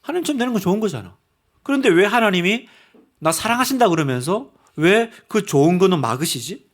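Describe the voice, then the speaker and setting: A man's voice: high-pitched, big pitch swings, fairly quick. A man doing a confused doubting woman. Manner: puzzled, questioning herself.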